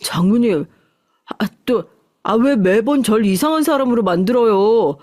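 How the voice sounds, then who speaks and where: Here a woman with a fairly high, darkish voice and lively intonation plays an exasperated young husband begging his mother-in-law in a radio story. She speaks a little slowly, her pleading tinged with frustration.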